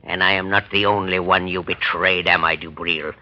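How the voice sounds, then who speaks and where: A man's voice: sits low, steady tone, moderate pace, sharp tone, full character voice. An actor playing a cold, vengeful male ex-convict in a 1930s radio drama, with a menacing, hard-edged delivery. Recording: dull lo-fi 1930s radio broadcast.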